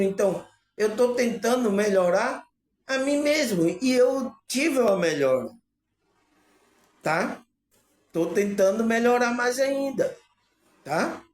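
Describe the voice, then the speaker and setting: A man's voice: very high voice, a little slow. A man giving an informal spiritual talk to his viewers, rambling and often checking in with the audience through tag questions. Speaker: spiritual channel host. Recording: echoey room with faint ambient noise.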